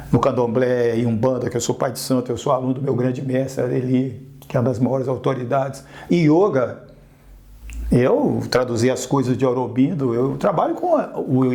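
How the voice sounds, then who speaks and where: The man speaks at a medium pitch. Audible room echo surrounds his voice. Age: 60s. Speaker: interview host. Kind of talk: interview conversation. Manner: rambling with frequent tag questions.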